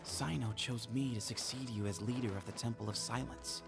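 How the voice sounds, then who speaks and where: A man voicing a composed, earnest young leader of a desert temple in a video game, speaking in a measured, formal way. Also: medium pitch, steady tone, vocal fry, music in the background, close to an everyday voice. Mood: hushed, reflective. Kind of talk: scripted video game acting.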